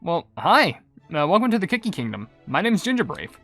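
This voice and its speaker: A man's voice: fairly high pitch, very animated, brisk, sharp tone, soft background music, full character voice. A man reading the part of a friendly, curious young gingerbread cookie hero from a game.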